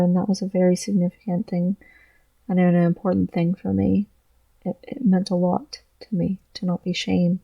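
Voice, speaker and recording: A trans man talking through his thoughts in a personal vlog, halting and earnest, with a voice he describes as deeper than most girls'. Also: mellow, no echo, muffled recording. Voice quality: low voice with gravelly fry. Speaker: vlogger.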